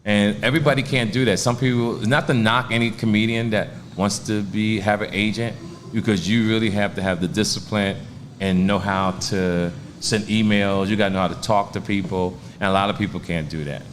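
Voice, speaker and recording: A man's voice: lowish voice, fairly even intonation, a little fast, a little hiss or hum. A man in his sixties, a stand-up comedian telling stories in a laid-back, streetwise way during a casual interview. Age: 60s.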